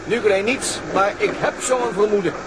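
A man's voice: high voice, normal speed, background noise, natural voice. An actor playing an easygoing middle-aged father on holiday, casual and dryly grumbling, in a naturalistic drama. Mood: relaxed.

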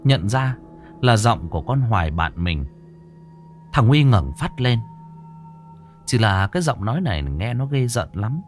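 A man narrating a ghost story in a dramatic, expressive way. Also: medium pitch, a little slow, pauses often, faint music behind.

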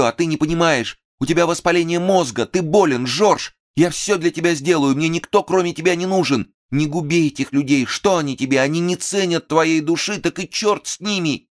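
A man voicing a small young actress in an audiobook, who cries out her love in a shrill, desperate plea. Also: moderate pace, few pauses, lightly acted. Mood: pleading.

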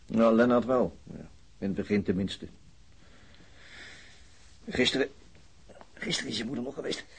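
A middle-aged wounded policeman in a radio drama, gloomy and wry. His low voice is very husky and full of gravelly creak. He speaks in a subdued, weary, hesitant way, with a sardonic edge. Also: lively intonation, normal speed, exaggerated voice. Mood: weary, evasive. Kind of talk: naturalistic radio play acting.

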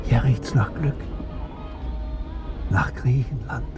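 An actor playing a wise, gentle old Muslim shopkeeper who teases and philosophizes unhurriedly in a radio drama. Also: male voice, medium pitch, steady tone, slow, lo-fi sound, over music, natural voice. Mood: serene, wise. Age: older.

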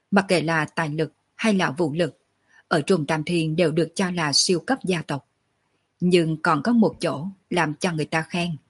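A woman hosting an audiobook channel, reading a serialized novel aloud with steady narration. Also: low voice, slightly rough.

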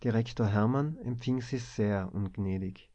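A man narrating a novel as an audiobook, with calm, even storytelling. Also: fairly low pitch, unhurried. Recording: dull lo-fi recording.

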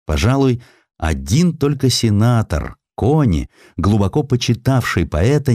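A man narrating a historical story for an audiobook in a theatrical, expressive storytelling manner. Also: deep voice, no room sound, clean studio sound. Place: dry studio.

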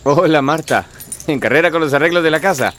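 An actor playing a good-humored, hospitable friend who jokes around, in a radio drama. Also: male voice, fairly high pitch, brisk, fairly bright tone, a little hiss or hum, close to an everyday voice. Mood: jovial. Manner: joking, hospitable. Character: good-humored adult male friend and host.

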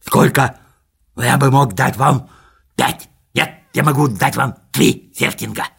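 A man voicing a greedy, whiny rich old miser in a raspy, creaky squeal, haggling indignantly. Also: mid-range voice, slow pace, fairly bright tone, voice pushed up, exaggerated voice. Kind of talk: audiobook character voice.

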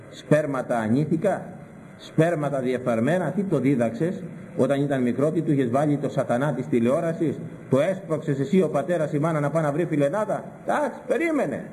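A man's voice: fairly high pitch, warm tone, big-room sound, slight background noise, poor audio. A man preaching a stern, scolding sermon full of rhetorical questions. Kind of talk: sermon with Bible interpretation.

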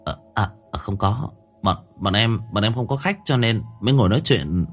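A man voicing a nervous young man who stammers quietly and evades. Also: on the low side, animated, moderate pace, soft background music.

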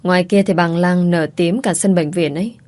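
A woman voicing a young female student, a devoted, tearful daughter who speaks softly and hesitantly. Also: lowish voice, steady tone, moderate pace, natural voice. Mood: tender.

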